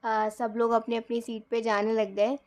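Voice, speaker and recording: Woman tarot reader, chatty storyteller, slightly high voice, acts out dialogue. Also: moderate pace. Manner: chatty, animated, acts out quoted lines, laughs often. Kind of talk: casual storytelling tarot reading.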